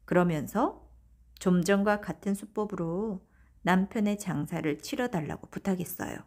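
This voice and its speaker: A woman narrating a bedtime folktale as an audiobook storyteller, gently, often letting phrase ends fade toward a whisper. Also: medium pitch, moderate pace.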